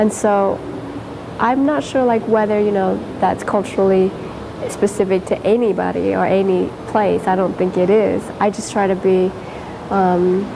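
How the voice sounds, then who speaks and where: A woman with a Californian accent speaks at medium pitch and a moderate pace, with fairly even intonation. Her speech has long, frequent pauses, and there is noticeable background noise. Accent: American English, Californian. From Vietnam, raised in southern California. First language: Vietnamese. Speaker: poet. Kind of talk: casual conversation. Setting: audience in a museum. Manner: hesitant, many fillers.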